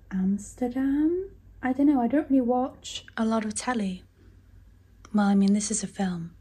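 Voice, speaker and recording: Soft, mellow-voiced young woman vlogging. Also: fairly high pitch. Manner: chatty, self-deprecating, laughs softly. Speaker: university student vlogger. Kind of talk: casual vlog narration.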